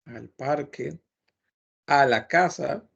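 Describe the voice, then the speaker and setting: A man teaching a French lesson, explaining patiently and repeating words slowly to model pronunciation. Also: mid-range voice, creaky, fairly bright tone, breathy edge, dull audio.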